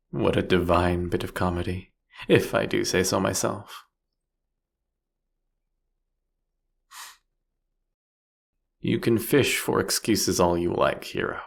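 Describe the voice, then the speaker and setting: A man playing a proudly ruthless, philosophical vampire king in a fantasy audio roleplay, speaking eloquently and mockingly in a drawn-out, theatrical way. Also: fairly low pitch, vocal fry, breathy edge, full character voice. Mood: mocking amusement.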